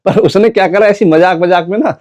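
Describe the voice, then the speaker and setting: A man's voice: high-pitched, fairly quick, a little mellow, no echo. A man from Haryana with a Haryanvi accent, telling stories in a casual, joking vlog and chuckling as he goes. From Haryana, India. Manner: chatty and joking, laughs between lines. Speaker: vlogger.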